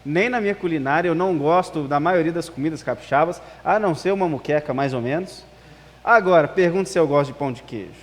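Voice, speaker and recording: A fast-talking man with a fairly high voice preaches a sermon to his congregation in a conversational way, full of rhetorical questions and the tag "né". He's a pastor from Espírito Santo, Brazil, though his accent is Minas Gerais Brazilian Portuguese. The church service takes place in an amplified hall, and the recording is reverberant.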